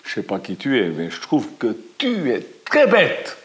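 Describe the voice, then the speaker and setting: A man voicing a curious, quickly irritated little girl in a spoken parable. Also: sing-song. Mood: indignant. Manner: high squeaky child voice, growing indignant.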